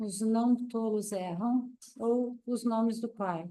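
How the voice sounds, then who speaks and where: At a very slow pace, a woman with a fairly high pitch and a dark, mellow tone speaks with fairly even intonation. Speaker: psychoanalyst presenting at a study group. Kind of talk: lecture. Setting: hybrid meeting, in person and video call.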